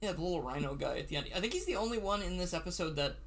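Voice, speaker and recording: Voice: mid-range voice, lively intonation, racing. A livestream host and series writer chatting casually on a computer mic, nervous, stammering and laughing often.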